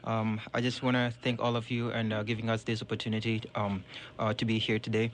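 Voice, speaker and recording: Young man, low flat voice, hesitant radio candidate with faint noise behind. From Ethiopia. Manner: halting, many fillers. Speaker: city council candidate.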